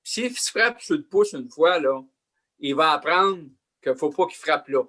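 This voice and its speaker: Older man, plain-spoken, hesitant, folksy, fairly high voice. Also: expressive, a little slow, pushed and bright. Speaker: panelist.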